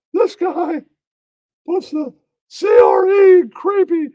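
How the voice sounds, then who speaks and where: A man voicing a high-pitched, giggly puppet heckler who gleefully taunts and insults in a puppet show. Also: no room sound, lo-fi sound, heavily acted. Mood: gleeful mockery.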